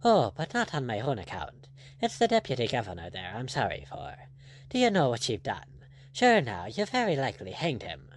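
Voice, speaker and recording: Man playing a gallant pirate captain, lively-voiced. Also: mid-range voice, normal speed. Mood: commanding, mocking. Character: gallant Irish pirate captain, bold, ironic, wistful.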